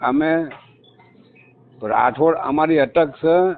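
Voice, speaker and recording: A man's voice: fairly high pitch, slow, creaky. Insistent man on a tinny phone line. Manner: insistent, repetitive, emphatic. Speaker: caller. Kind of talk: phone call. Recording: tinny phone call recording.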